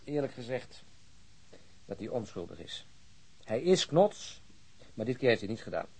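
A man playing an excitable, grumbling police detective in a radio drama, mocking and sardonic, with a husky voice. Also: medium pitch, moderate pace. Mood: matter-of-fact. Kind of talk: Dutch radio drama acting.

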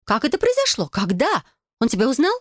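A woman reader voicing a lively, scheming young cousin who is excitable and bossy in an audiobook. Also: sits high, dry recording, clean studio sound, pitched above the performer's own voice, exaggerated voice. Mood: indignant. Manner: excitable, bossy, quick to scold. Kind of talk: audiobook character voice.

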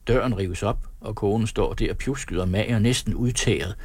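A man reading a novel aloud in steady, descriptive scripted narration. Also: on the low side, breathy edge, no echo. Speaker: audiobook narrator.

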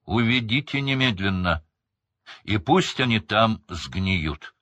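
A man voicing a stern, hateful middle-aged magistrate who shouts his sentence at the accused. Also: sits low, expressive, moderate pace, no echo, dull audio, heavily acted. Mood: raging.

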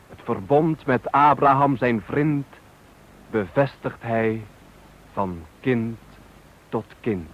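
Solemn psalm reciter, real slow and reverent, slightly muffled radio sound. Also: male voice, medium pitch. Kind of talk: solemn devotional verse recitation.

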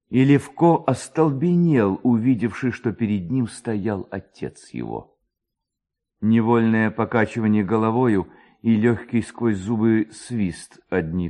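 A man narrating a literary tale in an expressive storytelling style. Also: on the low side.

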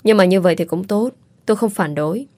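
A woman reading a first-person story aloud in a calm, reflective, steady manner. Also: mid-range voice, fast talker, dry recording. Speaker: audiobook narrator.

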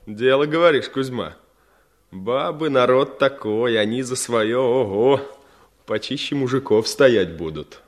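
A man voicing a cautious village comrade, slow deliberate speech, mid-pitched voice, radio play. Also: lightly acted. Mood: measured.

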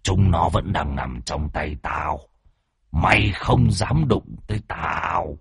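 A man voicing a vengeful male demon spirit in a spoken horror story, taunting with a low, slow sneer. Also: gravelly, fairly bright tone, husky, no echo, clean studio sound, heavily acted. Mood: gloating menace.

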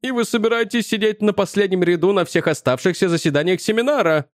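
A man voicing an agitated older male physics professor with a shrill voice, accusing and insistent. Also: fast talker, dry recording, studio quality, natural voice. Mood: urgent. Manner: accusing, insistent, increasingly frantic.

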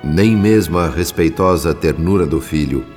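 A man narrating a radio drama from a script, solemn, measured and literary. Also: sits low, darkish tone. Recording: long reverb, music behind.

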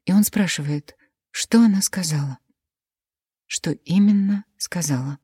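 A woman narrating a first-person audiobook in a quiet, measured reading voice on a close mic. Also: on the low side, slightly rough, no echo.

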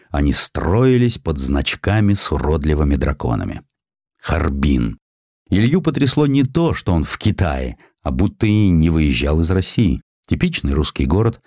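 A man giving a dramatic scripted audiobook narration, measured and grave, with deliberate pauses. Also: sits low, a little mellow, dry recording, studio quality.

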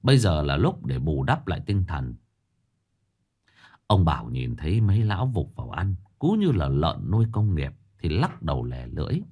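Lively male ghost story narrator. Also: a bass voice, moderate pace, slightly rough. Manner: lively, animated telling with voiced dialogue.

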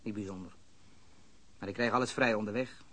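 An actor playing a nervous smuggling suspect in an audio crime drama, evasive, defensive and easily indignant. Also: male voice, lowish voice, steady tone, fairly quick, a bit bright, breathy edge. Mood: guarded. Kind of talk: audio drama interrogation dialogue.

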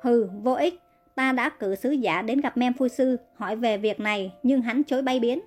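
A woman's voice: fairly high pitch, moderate pace, a little mellow, faint music behind, lightly acted. A woman reading the part of a cold, commanding young male prince in a narrated story.

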